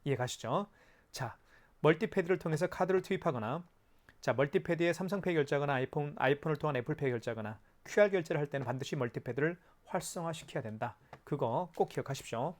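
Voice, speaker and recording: A man presenting a product in a hands-on tutorial, explaining step by step in an instructive way with rhetorical questions. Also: on the high side.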